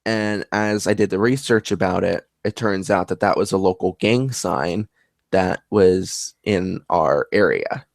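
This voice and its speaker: A man's voice: low voice, measured pace, creaky, no room sound, studio quality. A man who works as a paranormal investigator, talking in casual conversation in an earnest, rambling way.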